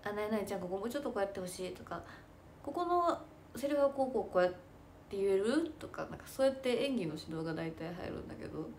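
A woman's voice: mid-range voice, animated, fast talker, darkish tone, slight background noise. Chatty young woman, laughing often. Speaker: idol and stage actress. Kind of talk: casual chat.

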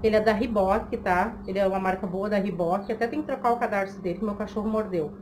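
A woman's voice: mid-range voice, fairly even intonation, fast talker. A woman, chatting casually to camera as a vlogger and often checking in with the listener. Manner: conversational, frequent checking tags to the listener. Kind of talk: casual chat to camera, giving tips. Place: small room at home, indoors. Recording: clearly noisy home recording.

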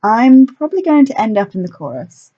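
A woman's voice: fairly high pitch, big pitch swings, a little fast, highs cut off, pitched above the performer's own voice. A woman voicing a shy, nervous young male garden nymph in a storybook reading. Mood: sulky. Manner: nervous, mildly sulky.

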